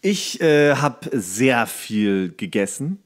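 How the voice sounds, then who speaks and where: A man's voice: mid-range voice, sing-song, slow. A man co-hosting a podcast in casual comedic banter, playfully and theatrically teasing. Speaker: podcast co-host.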